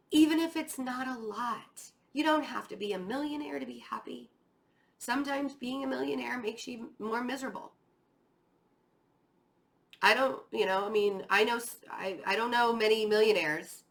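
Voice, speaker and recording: Hosting an online tarot reading, a woman speaks in a fairly high, slightly bright voice. Her delivery is casual and chatty, rambling a little as she encourages the listener and addresses them directly, though her voice is beginning to show fatigue.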